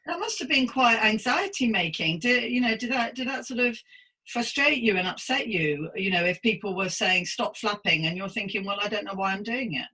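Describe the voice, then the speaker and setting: A woman's voice: mid-range voice, lively intonation, moderate pace, bright, forceful tone, breathy edge, low-quality recording. A middle-aged British woman hosting a conversational interview, chatty and empathetic as she asks questions. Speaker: podcast host and interviewer.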